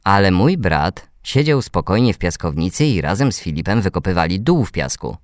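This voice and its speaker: A man with a low voice reads a children's story aloud. His delivery is gentle and measured, pitched to young listeners. The sound is close and dry. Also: big pitch swings, no room sound.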